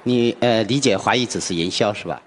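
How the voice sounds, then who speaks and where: Fast-talking, insistent middle-aged man. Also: on the low side. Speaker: boss on the recruiting panel. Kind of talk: panel debate. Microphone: handheld.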